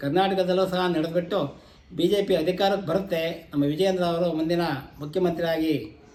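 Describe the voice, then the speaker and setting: A man's high-pitched, monotone, flat voice at very even loudness, with audible room echo and noticeable background noise. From Bhadravathi, Shivamogga district, Karnataka. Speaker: local politician. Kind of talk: interview.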